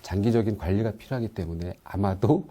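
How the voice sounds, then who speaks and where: A man being interviewed as a consultant, answering calmly and steadily and often agreeing with short replies. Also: lowish voice, fairly quick. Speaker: guest consultant.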